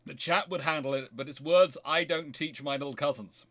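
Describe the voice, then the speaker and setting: A man hosting a casual livestream, chatting in a halting, digressive way with wry, mildly sarcastic asides. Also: fairly high pitch, fairly bright tone. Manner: halting, digressive, self-interrupting. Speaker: livestream host answering chat. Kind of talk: casual rambling livestream chat.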